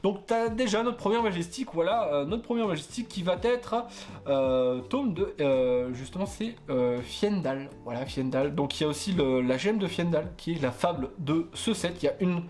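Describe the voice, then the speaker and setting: Hesitant higher-voiced man opening cards. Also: normal speed, a little mellow. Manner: hesitant, many fillers and self-corrections; stumbles over English card names. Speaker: card opening host. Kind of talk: casual booster unboxing chat.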